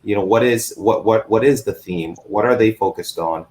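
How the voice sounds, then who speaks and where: Deep-voiced man with halting speech. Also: a little mellow. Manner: halting, with many restarts. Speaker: venture investor on a panel. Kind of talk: panel discussion.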